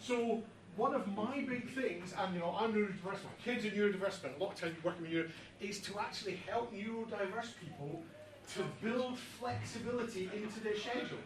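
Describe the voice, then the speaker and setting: Loud and high-pitched, a man speaks with ordinary pitch variation amid noticeable background noise and audible room echo. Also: fairly quick pace. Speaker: therapist and seminar host. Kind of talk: panel discussion. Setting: seminar room with audience.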